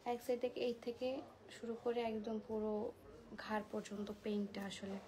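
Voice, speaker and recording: A woman selling saris on a live stream, speaking softly because of a migraine and mixing English words into her Bengali. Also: fairly high pitch, fairly even intonation, normal speed, poor audio. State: suffering a migraine. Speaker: live sari seller. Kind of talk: live-stream sales chat.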